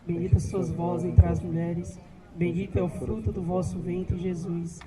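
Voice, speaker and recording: A woman leading a group in a recited prayer, in a steady reciting manner. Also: fairly low pitch, normal speed, loud music behind the voice, rough recording. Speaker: prayer leader.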